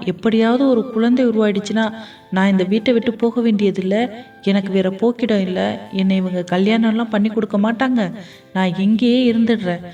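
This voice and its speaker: A defensive middle-aged husband pleads his case in quick, wheedling bursts, read out by a woman storyteller. The voice is mellow and dark, and the recording is dull and far off. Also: medium pitch, natural voice.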